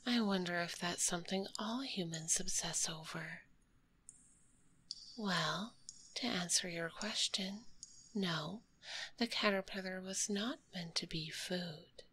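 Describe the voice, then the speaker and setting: A kind, cuddly spider girl acted out by a woman whispers very slowly in an ASMR roleplay. Her voice is breathy and fairly low, with a soothing, curious, politely formal manner, right up close on a binaural mic. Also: full character voice. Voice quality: breathy, hushed. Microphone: close binaural microphone.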